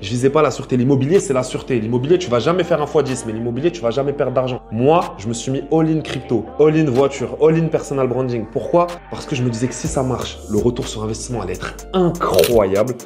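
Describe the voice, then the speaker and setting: A man's voice: medium pitch, fast talker, few pauses, darkish tone, soft background music. Boastful young man talking to camera. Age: 20s. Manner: boastful, self-assured, addresses viewers directly. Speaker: influencer and investor. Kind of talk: direct-to-camera vlog monologue.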